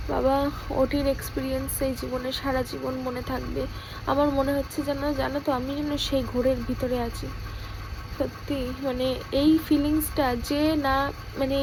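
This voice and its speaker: Young woman, high voice, soft and quiet, tired new mother, casual vlog, fan noise behind. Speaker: vlogger. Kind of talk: casual vlog talk to viewers. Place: home indoors, fan running. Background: fan whirring.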